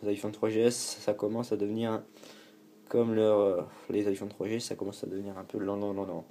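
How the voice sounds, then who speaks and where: Chatty low-voiced French man. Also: level tone, brisk, dark tone. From France. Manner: chatty, rambling, self-correcting, casual swearing. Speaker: tutorial host. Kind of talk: casual tech tutorial.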